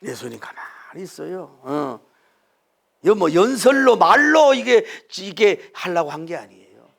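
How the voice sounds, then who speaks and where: A male pastor preaching a sermon emphatically, with many rhetorical questions, swinging from loud to hushed. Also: on the high side, vocal fry.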